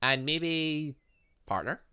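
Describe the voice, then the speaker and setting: An animated man hosts a video game playthrough in a bright, forceful voice pitched a little high. His delivery swings widely up and down as he reads on-screen dialogue aloud and throws in playful asides. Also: slow pace, clear, resonant tone. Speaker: gaming channel host. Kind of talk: let's play commentary, reading visual novel dialogue aloud.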